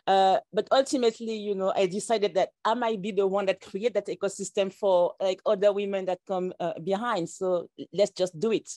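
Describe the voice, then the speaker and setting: A woman's voice: mid-range voice, fairly even intonation, moderate pace, hardly any pauses, a little mellow, no room sound. Hesitant woman founder on a video call. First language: French is not her first language. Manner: hesitant, many fillers and restarts. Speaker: startup founder. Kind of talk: panel discussion on a video call. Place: plain-walled room indoors.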